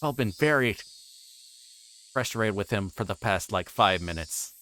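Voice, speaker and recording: A man hosting a livestream, chatting casually in a halting, rambling way and often repeating words as he plays a game. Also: fairly low pitch, animated, bright, forceful tone, slight background noise. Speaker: livestream host. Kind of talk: casual livestream chat while playing a visual novel.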